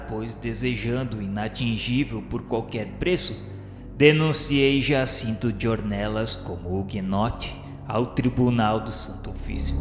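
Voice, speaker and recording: A man's voice: mid-range voice, natural voice. A man playing a tormented, vengeful Jesuit officer of the Inquisition, confessing in solemn, formal, theatrical radio novela narration. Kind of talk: dramatized first-person radio novela narration. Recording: echoey hall reverb, music behind.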